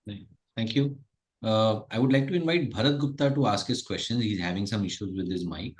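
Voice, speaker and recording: A man's voice: fairly low pitch, brisk. A man moderating a conference call and handing over to participants.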